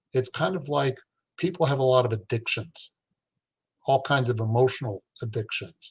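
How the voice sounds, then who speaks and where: A man talks in an American accent at a moderate pace. His voice is somewhat breathy, with ordinary pitch variation. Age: 60s. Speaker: spiritist lecturer. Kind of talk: lecture. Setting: virtual event.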